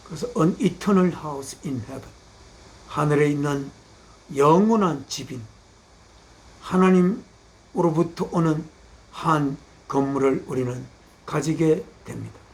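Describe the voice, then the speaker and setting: A man's fairly high voice at a very slow pace, with long, frequent pauses, big swings in loudness and audible room echo. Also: ordinary pitch variation. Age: 70s. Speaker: pastor. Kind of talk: sermon.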